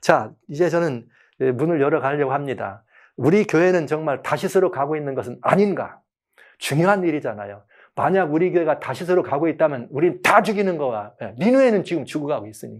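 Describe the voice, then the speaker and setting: Speaking at a fairly quick pace, a man uses lively intonation and a fairly high pitch in a very clean recording with a silent background. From Chungcheong Province, Korea. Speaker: pastor / Bible teacher. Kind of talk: sermon-style Bible lecture. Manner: fast; many hesitation fillers.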